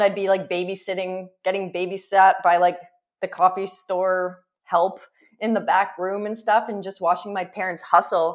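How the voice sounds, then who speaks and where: A woman's normal speaking voice in a Canadian accent, at medium pitch and moderate pace, in a very clean recording with a silent background. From Saskatchewan, Canada. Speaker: entrepreneur and professional motorcyclist. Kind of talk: casual chat.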